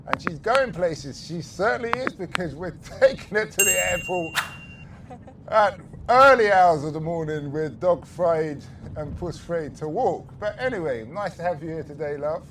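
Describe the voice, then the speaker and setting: A man's voice: a little high, expressive, moderate pace, distant mic, background noise. A man hosting a podcast from his taxi, chatting casually and asking his passenger questions. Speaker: taxi driver, podcast host. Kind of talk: casual interview. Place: driver's seat of a car.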